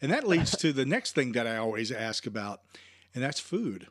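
A man hosting a sports podcast, friendly, stammering a little and clearing his throat often. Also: mid-range voice, big pitch swings, moderate pace, a bit bright, dry recording, clean studio sound. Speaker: podcast host. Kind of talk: casual interview chat.

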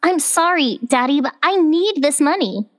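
A sweet teenage girl played by a woman in an old-time radio sitcom. Her voice is very high, polite yet firm with her parent. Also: expressive, normal speed, fairly bright tone. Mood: apologetic, firm.

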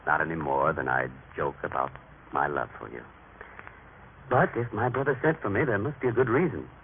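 A man's voice: very deep voice, normal speed, phone-quality sound. An actor playing a proud, emphatic family father in an old radio drama, with a theatrical, paternal manner. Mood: fond, teasing. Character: proud, stern, affectionate husband and father, prejudiced. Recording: noisy, band-limited vintage radio recording.

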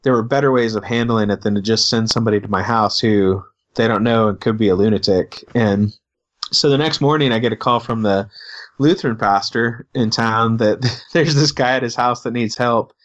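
A man's voice: lowish voice, dull audio. A man who is a pastor tells a story in casual talk, stopping and repeating words as he goes. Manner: halting, repeats words as he talks.

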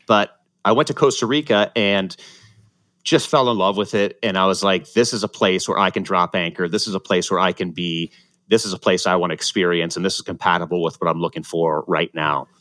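A man's voice: deep voice, steady tone, a little fast, fairly bright tone, dry recording. A man, a former pro triathlete telling his story in a casual interview, earnest and reflective, often restarting his sentences. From Ohio, USA, born in Ecuador.

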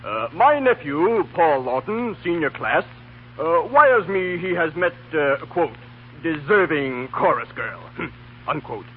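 A pompous, disapproving middle-aged uncle in an old radio comedy. He dictates in halting bursts with lively swings of pitch, over a tinny, hissy 1930s recording. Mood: stuffy, disapproving. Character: stuffy, disapproving rich uncle dictating telegrams.

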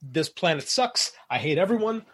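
A man's voice: fairly high pitch, sing-song, normal speed, a bit bright, slightly rough. A man co-hosting a podcast, joking sarcastically and talking over the others in a headset. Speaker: podcast co-host. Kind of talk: casual chat. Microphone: headphones with mic.

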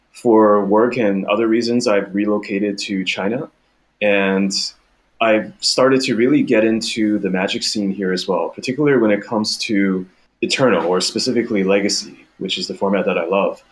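Here is a man in his thirties who grew up in Taiwan, guesting on a podcast. His voice sits a little low, and he talks things through thoughtfully, often restarting a phrase. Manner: thoughtful, many small restarts. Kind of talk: casual interview chat.

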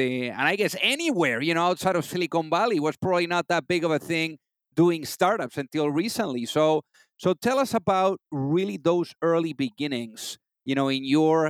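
A man with a fairly high, smooth and clear voice hosts an interview show, eager and quick to hand over to his guest. He fills his questions with casual "you know" fillers, and the sound is close and dry. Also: no room sound. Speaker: podcast host. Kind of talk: interview hosting.

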